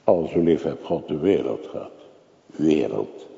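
A man's voice: extremely low pitch, normal speed, mellow. An older man preaching a sermon in a church, dramatic and full of rhetorical questions to the congregation. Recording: echoey, dull church recording.

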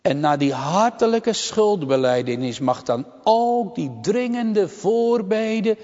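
A man delivers a sermon at an unhurried, solemn pace, pausing between phrases. His voice sits a little high and rings out with a long church reverb. The recording is dull and lo-fi. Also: animated, a little mellow. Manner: slow, solemn, deliberate delivery with long pauses. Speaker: preacher.

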